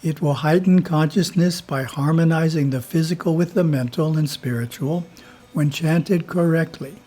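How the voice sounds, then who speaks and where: A man who is a spiritual teacher reads his editorial in a slow, measured way and chants Om between the passages. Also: fairly high pitch, mellow, slightly rough, faint music behind.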